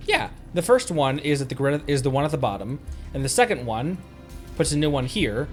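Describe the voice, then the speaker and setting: A man streaming a game, playful and animated, talking casually as he thinks aloud. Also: mid-range voice, fairly quick, soft background music.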